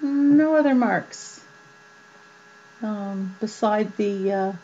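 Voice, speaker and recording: A woman vlogger doing a casual show-and-tell of jewelry, chatty and unhurried, with many ums and uhs. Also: medium pitch, mellow. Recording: dull lo-fi sound with mains hum.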